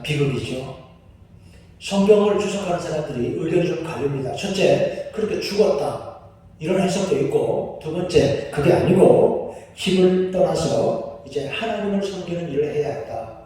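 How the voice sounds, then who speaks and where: A man's voice: on the high side, animated, normal speed, warm tone, recorded from a distance. A man preaching a sermon as pastor, in a conversational way, often asking the congregation questions. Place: church sanctuary. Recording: echoey hall, voice picked up from afar.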